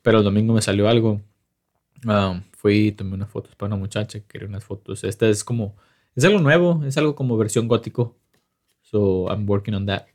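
A man with a Chicano accent chatting casually, switching between Spanish and English in a halting, slangy, profane way. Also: lowish voice, darkish tone. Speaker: photographer.

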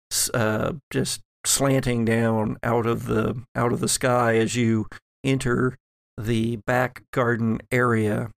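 Male game master for tabletop narration. Very unhurried, atmospheric delivery, mid-range pitch. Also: smooth, dry recording, studio quality. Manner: slow, deliberate, pausing between phrases.

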